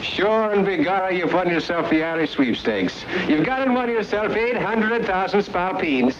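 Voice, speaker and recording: An actor playing a pompous phony British and stage-Irish caller announcing a prize, grand and hesitant, in 1950s sitcom style. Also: male voice, high voice, lively intonation, moderate pace, background noise. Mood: grandly bluffing. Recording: muffled vintage TV soundtrack, music behind.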